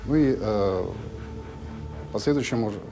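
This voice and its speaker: A male official gives a formal interview account in a lowish voice. He talks haltingly in stiff bureaucratic phrases, with clear music playing behind him. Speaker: official interviewee on a criminal case.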